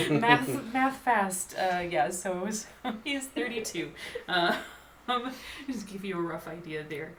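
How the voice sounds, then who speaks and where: A woman's voice: medium pitch, expressive, takes it slowly. A woman playing a tabletop roleplaying game, chatting in a giggly way with lots of fillers. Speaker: player. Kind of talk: casual chat at a tabletop game. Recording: echoey room with faint hiss.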